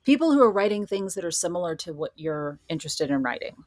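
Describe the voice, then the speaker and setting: A woman's voice: fairly low pitch, sing-song, fast, darkish tone, no room sound, clean studio sound. A woman answering as an interview guest, talking conversationally about her work as a writer with emphatic asides. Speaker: guest, horror fiction writer.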